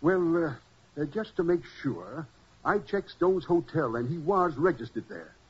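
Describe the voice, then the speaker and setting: An anxious, courteous gentleman in an old radio mystery. His voice is very husky and pitched fairly high, with fussy, formal, hesitant phrasing. It comes through a muffled 1940s recording. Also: sing-song, measured pace, exaggerated voice. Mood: worried. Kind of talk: 1940s radio drama acting.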